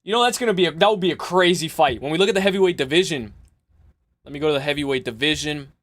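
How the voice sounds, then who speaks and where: A man hosting a live stream, chatting loosely with his viewers and rambling through quick asides. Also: on the high side, fairly bright tone. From Spain. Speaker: livestream host. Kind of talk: casual live stream chat.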